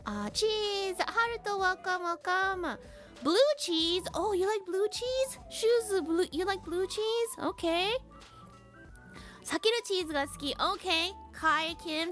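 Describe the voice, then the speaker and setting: High-voiced, giggly woman streamer. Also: fairly bright tone. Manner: slow, simple English for learners; giggly, upbeat roll call of viewers. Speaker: live streamer. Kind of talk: casual live-stream chat mixing English and Japanese.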